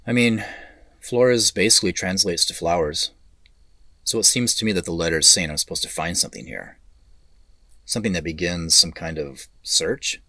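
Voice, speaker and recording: A dry, close recording of a lowish male voice, an actor's, playing a thoughtful executive in an audio drama. He is wry and understated, talking naturally as he reasons through a puzzle. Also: moderate pace, bright, forceful tone, no echo. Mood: pensive.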